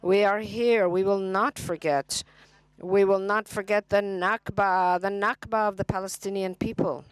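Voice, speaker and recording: A woman interprets a speech at a conference, speaking slowly in a smooth, clear voice. She halts often, restarts her phrasing and fills the gaps with brief fillers. The sound is close and dry. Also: medium pitch, steady tone, no echo, poor audio. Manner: halting, with frequent restarts and fillers. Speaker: simultaneous interpreter. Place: conference hall.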